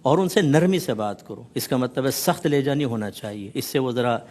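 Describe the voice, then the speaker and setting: A male religious scholar explains his teaching on a television talk show. He speaks in a measured way and builds rhythmic lists of points. His mid-range voice is sprinkled with English words. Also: medium pitch, animated, a little mellow.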